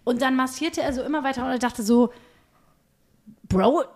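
A woman's voice: high voice, moderate pace, a little mellow. A young woman co-hosting a podcast, casually telling personal stories in colloquial language. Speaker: podcast host. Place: recorded at a home.

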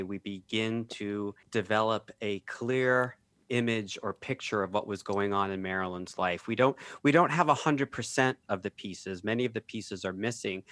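A man on a podcast, speaking in a measured, reflective way in casual chat. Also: fairly low pitch, a bit bright, dry recording.

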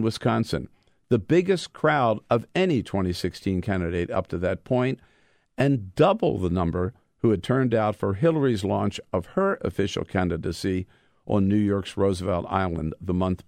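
A man who is an author reading from his own book, mixing measured, emphatic delivery with informal storytelling. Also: on the low side, a little mellow, no room sound, studio quality.

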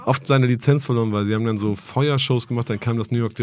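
A man chatting on a podcast, eager and enthusiastic, often cutting in with short remarks. He talks fast at a middle pitch. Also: fairly even intonation. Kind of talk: casual chat.

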